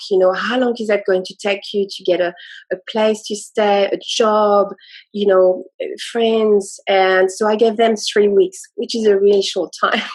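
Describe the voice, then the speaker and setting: A woman with a French accent speaks at a medium pitch in a monotone, flat intonation. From France. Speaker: spiritual entrepreneur. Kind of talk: interview answer.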